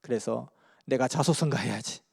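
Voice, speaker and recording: A man's voice: mid-range voice, normal speed, vocal fry, a little mellow, slightly rough. A man from Busan, earnestly telling a story in a sermon. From Busan, South Korea. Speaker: preacher. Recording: long hall reverb.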